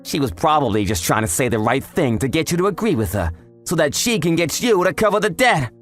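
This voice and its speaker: A man acts as a sharp, taunting male coworker in a comic dub. His voice is on the high side and swings theatrically, with music underneath. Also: sing-song, fairly quick. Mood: matter-of-fact. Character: sharp, accusatory male coworker exposing a liar. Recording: voice over background music.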